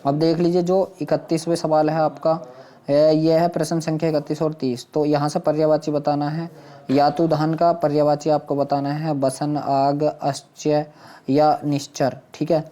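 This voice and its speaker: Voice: mid-range voice, flat delivery, moderate pace, dark tone. An exam coaching teacher walking students through quiz questions and answers, often repeating and asking questions before answering them. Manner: repetitive, question-and-answer explaining to viewers.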